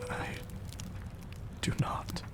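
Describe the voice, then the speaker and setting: Man as echoing, slow, bewildered lost soul. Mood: confused. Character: bewildered, melancholy departed man without memories. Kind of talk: audio drama acting. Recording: long echoing reverb under loud music.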